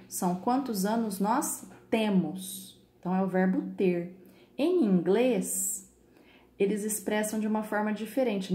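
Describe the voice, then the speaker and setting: A woman's voice: mid-range voice, darkish tone. A woman with a Brazilian Portuguese accent teaching a recorded online English class, patient and checking in often with her students. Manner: patient, repeats "tá?" and "tá bom?" to check in. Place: home with computer. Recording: echoey room, faint background noise.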